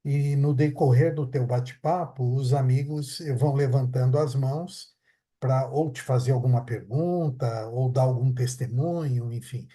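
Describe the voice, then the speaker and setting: A man's voice: mid-range voice, normal speed, warm tone. A man hosting an online talk, welcoming and reassuring his guest over a video call. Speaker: host.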